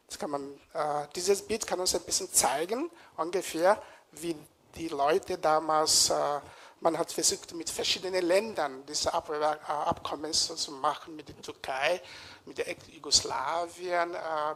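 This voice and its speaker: A man from Nigeria giving a public lecture in a lecture room, pausing often with hesitations as he searches for words. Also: a little high, fairly bright tone.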